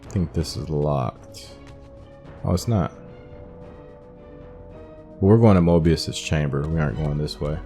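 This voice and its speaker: A man hosts a video game playthrough with casual, unscripted commentary. His voice is quite low, and soft game music plays faintly behind him. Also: measured pace, long pauses. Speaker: gaming channel host.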